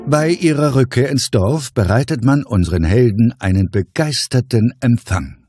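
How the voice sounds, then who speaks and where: Male storyteller over clear music. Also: medium pitch, normal speed, darkish tone. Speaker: narrator. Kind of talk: scripted storytelling narration for a radio play.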